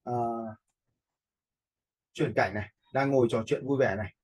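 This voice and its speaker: A man giving a casual, step-by-step software tutorial, informally checking in with listeners as he goes. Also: medium pitch, normal speed, slightly rough. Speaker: video editing instructor. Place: indoors, voice-over for a screen recording.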